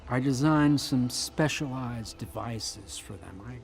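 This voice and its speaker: An actor playing a timid, socially clumsy inventor with a hesitant, stammering manner in a video game. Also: male voice, medium pitch, takes it slowly, creaky, soft background music. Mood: awkward. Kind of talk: scripted video game dialogue.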